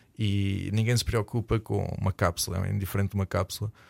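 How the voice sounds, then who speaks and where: A man talks very fast in a monotone, flat delivery. The sound is dry and close with no echo, on a very clean recording with a silent background. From Lisbon, Portugal. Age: 40s. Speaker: environmental artist. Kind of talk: interview. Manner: halting.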